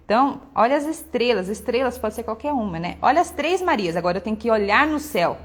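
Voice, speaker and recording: A woman's voice: on the high side, expressive, fast. Woman explaining a workbook page by page. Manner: explanatory, frequent "né?" and "tá?" tag questions; models stressed syllables and examples aloud. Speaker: homeschool material presenter. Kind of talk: walkthrough of a workbook.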